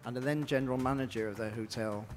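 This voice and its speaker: A middle-aged man with an English West Country accent gives an informal, halting acceptance speech, often repeating words. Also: medium pitch, fairly even intonation. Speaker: award winner. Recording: echoey hall, faint music.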